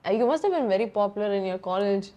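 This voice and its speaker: A woman's voice: medium pitch, animated, racing, mellow. A woman in her twenties with a South Indian accent, hosting a casual chat in informal, slangy speech. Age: 20s. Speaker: podcast host. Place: small furnished room indoors.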